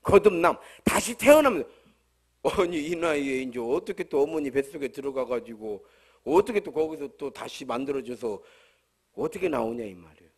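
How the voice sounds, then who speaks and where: A man's voice: mid-range voice, expressive, fairly quick, slightly rough. A male pastor with a Jeolla accent, delivering a humorous, conversational sermon full of rhetorical questions at a church service. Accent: Jeolla Korean.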